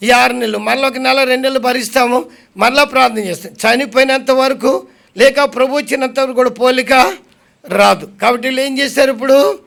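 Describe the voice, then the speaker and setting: A man from India preaches with a very high, gravelly voice. He keeps firing questions at the congregation and answers them himself. When he reads scripture aloud, he slows right down. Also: a bit bright. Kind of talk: sermon.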